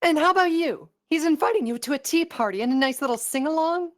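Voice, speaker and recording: A woman's voice: sits high, lively intonation, fast. A woman voicing a brash, loyal young pegasus pony in a cartoon audio drama. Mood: defiant.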